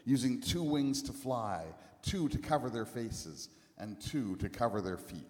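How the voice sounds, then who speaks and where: A man preaching a sermon in a church, speaking in short phrases and pausing for an interpreter. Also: mid-range voice, darkish tone. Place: church hall. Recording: long hall reverb.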